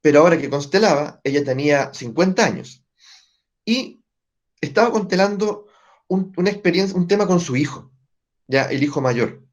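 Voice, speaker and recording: A man teaching family constellations to a group, explaining step by step and often checking in with his listeners through quick tag questions. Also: a little high, expressive. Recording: dull lo-fi recording.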